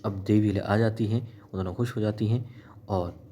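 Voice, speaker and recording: A man's voice: on the low side, fairly even intonation, moderate pace, warm tone. A man narrating a recap of a TV serial episode in a chatty storytelling way. He talks straight to viewers as friends. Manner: chatty, addresses viewers as friends, repeats "yes indeed".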